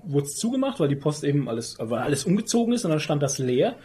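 A man's voice: on the high side, sing-song, quick pace, warm tone. A man co-hosting a casual podcast, explaining things and correcting himself as he goes. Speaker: podcast co-host.

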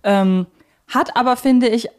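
A woman's voice: fairly high pitch, measured pace, smooth. A woman co-hosting a casual fan podcast, thinking aloud as she chats. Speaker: podcast co-host.

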